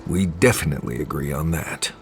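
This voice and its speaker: Very deep, grumpy male adventurer. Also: brisk, soft background music. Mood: sardonic. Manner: deadpan wit, blunt. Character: gruff, grumpy, sardonic male adventuring companion. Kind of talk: video game character acting.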